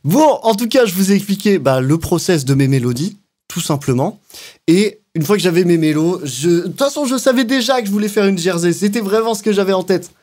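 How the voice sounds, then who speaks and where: A man giving a relaxed, slangy walkthrough of how he built a beat, now and then mouthing sounds and rhythms. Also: high voice, brisk. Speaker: music producer. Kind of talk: casual beatmaking walkthrough. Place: home studio.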